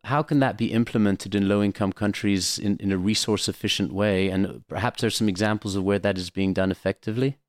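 A man's voice: lowish voice, fairly even intonation, fairly quick, few pauses, dry recording, studio quality. A man hosting a podcast, reading a polished, formal introduction and asking interview questions. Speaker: podcast host.

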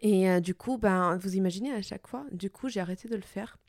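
Warm-voiced woman with an Italian-Portuguese accent. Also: mid-range voice, no room sound, clean studio sound. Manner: thoughtful, hesitant, many pauses and restarts. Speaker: podcast host. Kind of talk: reflective personal monologue.

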